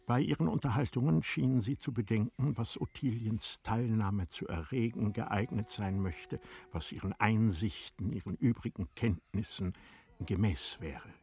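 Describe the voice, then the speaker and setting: A man narrating a literary radio play in a measured, formal storytelling manner. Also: lowish voice, gravelly, a little mellow, slightly rough.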